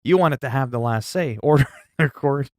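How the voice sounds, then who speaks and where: A man hosting a livestream, chatting loudly in a mock-stern, profane way with quick swings in volume. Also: medium pitch, no room sound, studio quality. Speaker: livestream host. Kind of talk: casual livestream chat.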